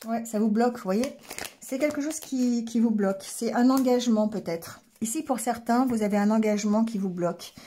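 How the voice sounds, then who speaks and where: Hoarse woman giving a hesitant tarot reading. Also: on the high side, moderate pace, mellow, a little hiss or hum. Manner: hesitant, many fillers and restarts, checks in with "d'accord?"; clears throat often. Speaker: tarot card reader. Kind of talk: casual tarot reading addressed to viewers.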